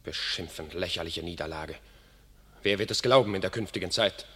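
An actor playing a fierce, arrogant English noble soldier in a classical verse radio play, declaiming with contempt. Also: male voice, low voice, normal speed, sharp tone, husky, full character voice. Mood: bitter, ashamed. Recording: long reverberant hall sound.

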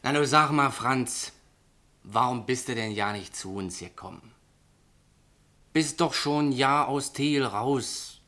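An actor playing a streetwise, gruffly concerned friend in a radio play, blunt and colloquial, with a Berlin accent. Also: male voice, mid-range voice, takes it slowly, pushed and bright. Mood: reproachful.

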